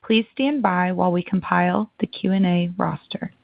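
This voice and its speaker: A woman's voice: lowish voice, moderate pace, vocal fry, no room sound. A woman working as a conference call operator, reading scripted announcements. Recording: tinny dry phone line.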